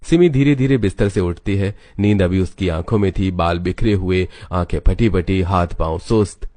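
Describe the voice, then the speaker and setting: A man narrating an animated family story in a steady, storytelling manner. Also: low-pitched, normal speed, no room sound.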